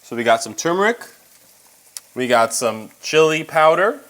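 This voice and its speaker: A man's voice: fairly high pitch, very animated, normal speed, fairly bright tone. A man giving a casual, chatty cooking demonstration, explaining each step directly to viewers as a home cook. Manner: chatty, instructive, talking to viewers. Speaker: home cook presenting a recipe.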